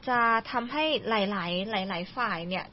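A woman's voice: medium pitch, normal speed, slight background noise. A young woman hosting a language lesson, chatty and asking her guest lots of prompting questions, on a dull lo-fi recording. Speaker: host. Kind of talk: radio-style lesson chat.

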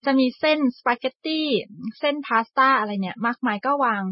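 Breathy, chatty woman host. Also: high-pitched, dry recording, dull audio. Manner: chatty, laughs easily, quick affirmations. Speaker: talk show host. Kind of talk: radio English lesson chat.

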